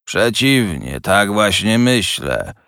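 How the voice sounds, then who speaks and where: A man's voice: on the low side, very animated, vocal fry, fairly bright tone, dry recording, clean studio sound, exaggerated voice. A man putting on a sour old miser. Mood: scornful. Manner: grumbling, slow and biting.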